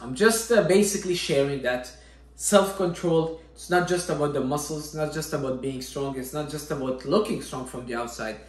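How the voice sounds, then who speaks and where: A man's voice: fairly high pitch, normal speed. A young man from Syria, a natural bodybuilder, giving an earnest motivational talk to camera and checking in with "all right?" again and again. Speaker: fitness vlogger, natural bodybuilder. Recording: echoey room.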